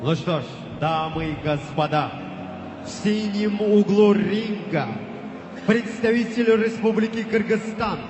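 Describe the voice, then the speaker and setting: A man working as a ring announcer at a fight, formally projecting drawn-out introductions over a PA in a large venue. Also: sits high. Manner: formal, projecting, stretches out names and phrases. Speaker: boxing-style ring announcer. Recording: echoey hall reverb, loud background noise.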